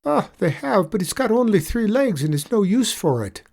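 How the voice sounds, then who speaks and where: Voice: medium pitch, very animated, moderate pace, gravelly, a little mellow, voice pushed up. A storyteller voicing a sly, wheedling male leprechaun with an Irish accent, spinning a pitiful tale in a storybook reading. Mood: coaxing.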